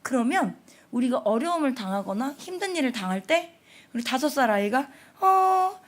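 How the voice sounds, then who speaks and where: A woman's voice: high voice, brisk. A young woman preaching at a family prayer service, telling a story and acting out the voices of small children. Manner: animated, acts out children's voices.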